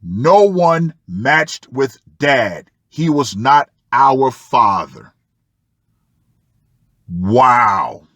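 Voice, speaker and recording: Slow-talking man reading aloud, dry recording. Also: medium pitch, animated, fairly bright tone, no room sound. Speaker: host of a commentary channel. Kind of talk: reading a personal post aloud with asides.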